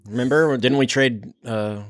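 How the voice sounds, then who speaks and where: A man, the show's producer, dropping wry asides into a casual sports chat. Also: measured pace. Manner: wry asides with a lively pitch. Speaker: podcast producer.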